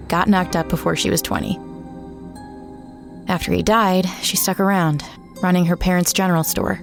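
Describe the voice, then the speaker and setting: Weary, regretful female ex-reporter narrating horror audio drama; lower register, reflective and somber, music underneath. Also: gravelly. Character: weary, regretful woman, small-town former journalist. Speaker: narrator and protagonist.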